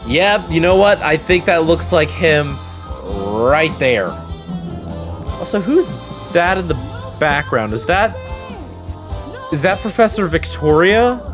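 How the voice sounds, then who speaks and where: A man's voice: fairly high pitch, big pitch swings, slow pace, long pauses, music in the background. A man hosting a reaction video with casual, rambling commentary.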